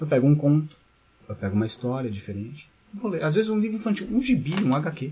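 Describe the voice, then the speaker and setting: Amid noticeable background noise, a man talks at a very fast pace in a fairly high pitch with very wide pitch swings. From Brazil, Mauá (São Paulo area). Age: 30s. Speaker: hypnotherapist. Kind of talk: interview.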